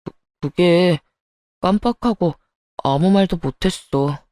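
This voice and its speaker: A woman voicing a defensive husband in a radio story, lowering her voice and speaking in an accusing tone. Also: takes it slowly, dark tone, no echo. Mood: flustered. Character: defensive young married husband.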